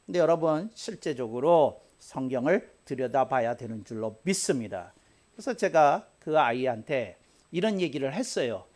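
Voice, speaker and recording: A man's voice: medium pitch, animated, moderate pace, darkish tone. A man pastor giving a sermon in an earnest, conversational way, often repeating key phrases for emphasis.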